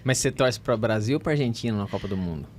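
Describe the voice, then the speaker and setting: A man's voice: lowish voice, expressive, quick pace, a little hiss or hum. A man hosting a podcast, asking playful, teasing questions in a casual chat. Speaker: podcast host.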